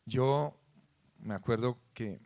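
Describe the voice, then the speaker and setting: A man preaching a sermon in a church, moving from quiet conversational talk to loud, fervent passages. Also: mid-range voice, slow, vocal fry.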